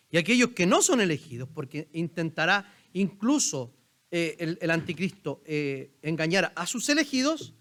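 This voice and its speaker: A man's voice: sits high, a bit bright. A man with a Chilean accent preaching a sermon as pastor in a church, talking conversationally and putting questions straight to the congregation. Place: church sanctuary.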